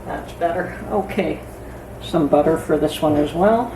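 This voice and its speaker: A middle-aged woman talks through her baking and her thoughts in a calm, unhurried way, pausing now and then. Her low voice has a gravelly edge. The recording was made in an echoey home kitchen, with clear background noise. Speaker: homestead channel host. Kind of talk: casual kitchen vlog chat.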